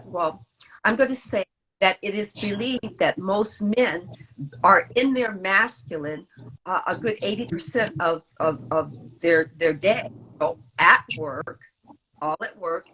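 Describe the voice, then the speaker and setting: Halting woman host, faint noise. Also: fairly low pitch, bright, forceful tone, poor audio. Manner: halting, many "uh" pauses. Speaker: podcast host. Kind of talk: casual podcast interview.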